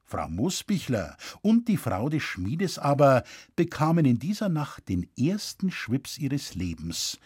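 A man's voice: mid-range voice, measured pace, hardly any pauses, husky, dry recording, studio quality. A man narrating a humorous village tale as an audiobook reader, with a light Bavarian accent. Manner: lively storytelling. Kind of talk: scripted story narration.

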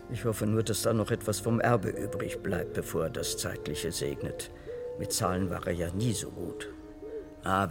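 An actor playing a bitter, dead parent who sneers at relatives in a long reproachful monologue. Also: male voice, mid-range voice, vocal fry. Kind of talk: radio play monologue.

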